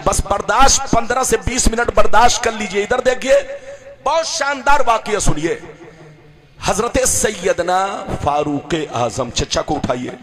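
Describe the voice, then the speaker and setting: High-voiced preacher leading call-and-response. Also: male voice. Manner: call-and-response, urging the crowd to repeat loudly; swings between shouting and soft, sing-song delivery. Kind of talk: sermon.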